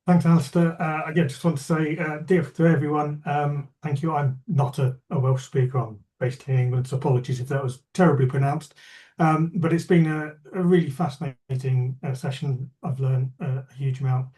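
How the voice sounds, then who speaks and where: A man's voice: a little high, steady tone, moderate pace, dark tone, low-quality recording. A man giving polite closing remarks on a video call, with fillers and repeated words. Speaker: chief executive.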